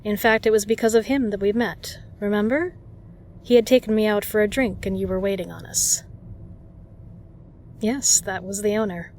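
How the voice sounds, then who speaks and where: A woman's voice: medium pitch, fairly even intonation, normal speed, long pauses, darkish tone, a little hiss or hum, lightly acted. A woman playing a kind, protective, flirtatious bar regular in an audio roleplay, speaking earnestly and reassuringly to the listener. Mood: frank, reassuring.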